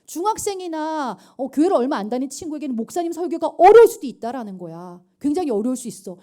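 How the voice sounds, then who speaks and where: A woman pastor giving a sermon to teenagers, asking many questions and swinging between loud and hushed lines. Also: high voice, fast. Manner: lively preaching with sudden loud and hushed lines; asks the listeners many questions. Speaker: youth pastor.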